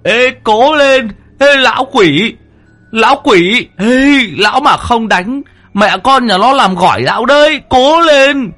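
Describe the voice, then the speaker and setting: A goofy, childish fat boy sidekick in a spooky tale, shouting slow, drawn-out cheers, as a male narrator puts him on. His voice sits far above the storyteller's own, loud and whiny. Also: high-pitched, voice pushed up, heavily acted. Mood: rowdy cheering.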